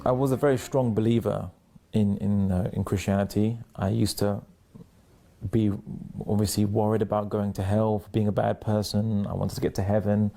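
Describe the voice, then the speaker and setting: Gravelly, low-voiced man with halting speech. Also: little pitch movement, warm tone. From London, England. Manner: halting, many restarts and fillers, thoughtful. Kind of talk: personal testimony, reflective storytelling.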